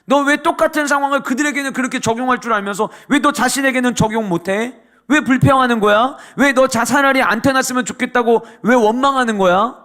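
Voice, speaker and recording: A man's voice: sits high, animated, a little fast, a bit bright. A male pastor voicing a reproachful older friend who lectures with scolding rhetorical questions.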